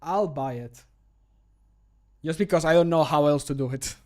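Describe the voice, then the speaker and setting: A man's voice: a little high, moderate pace, a little mellow. Guy streamer in his 30s chatting casually, joking around, hard on himself. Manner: joking, self-critical. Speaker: streamer and game modder. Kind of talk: casual livestream chat. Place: small indoor home room.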